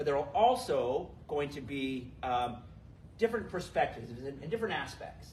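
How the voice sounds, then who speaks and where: A man with a fairly high voice speaks at a fairly slow pace, his pitch varying in an ordinary way, with audible room echo. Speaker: conference presenter. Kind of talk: workshop presentation. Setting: small breakout room, no microphone. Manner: loud. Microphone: no microphone.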